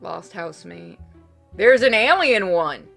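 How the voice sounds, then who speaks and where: A woman's voice: mid-range voice, animated, slow pace, gravelly, fairly bright tone. A woman doing a casual let's play, reading game narration aloud and commenting expressively. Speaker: game streamer reading visual novel aloud. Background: game music.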